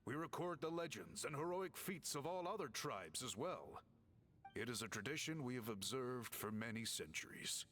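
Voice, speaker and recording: An actor playing a tall, courteous tribal chief in a video game, formal and measured with slight hesitations. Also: male voice, mid-range voice, fairly bright tone, slight background noise. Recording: faint music behind.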